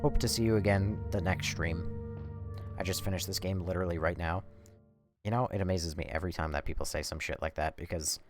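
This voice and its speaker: A man doing casual live game commentary, rambling and swearing as he thinks out loud. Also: deep voice, steady tone, fairly quick, soft background music. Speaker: live streamer. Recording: faint background noise.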